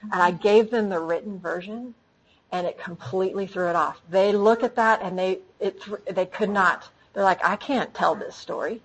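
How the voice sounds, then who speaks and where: A woman speaking to an audience in a conversational talk, answering questions, lively and full of restarts. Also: mid-range voice, moderate pace, husky, low-quality recording. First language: English. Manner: animated, frequent restarts. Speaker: speaker training storytellers.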